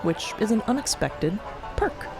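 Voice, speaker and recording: A woman's voice: medium pitch, very animated, unhurried, creaky, rough recording. A woman narrating a scripted audio drama with descriptive, literary prose. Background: loud music.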